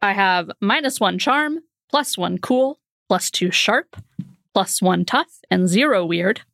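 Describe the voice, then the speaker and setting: A woman's voice: medium pitch, animated, slow pace, creaky, a bit bright, no echo. A woman casually describing her character in a tabletop game, chatty with frequent fillers and laughs. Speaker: player.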